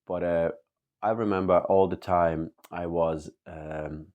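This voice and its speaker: A man from Latvia sharing a personal faith testimony in earnest, halting English with many pauses. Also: low-pitched, steady tone, narrow, tinny audio. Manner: earnest and open. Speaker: church member giving testimony.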